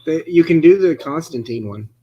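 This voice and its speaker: A man's voice: fairly high pitch, expressive, normal speed, lo-fi sound. A man with an Oklahoma accent chatting casually. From Oklahoma, United States. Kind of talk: casual chat. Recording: clearly noisy live stream with hum.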